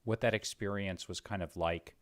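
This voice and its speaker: A man's voice: fairly low pitch, fairly even intonation, moderate pace. A man interviewing a guest in casual, informal chat, agreeable as he listens and asks questions. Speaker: interviewer, host of a live-streamed show.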